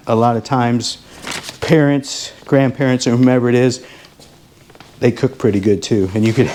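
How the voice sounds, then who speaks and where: A man with a mid-range voice talks as a real estate advisor on a video home tour. His delivery is casual and salesy, addressing the viewer directly as he pitches. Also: a little mellow. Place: inside a model home.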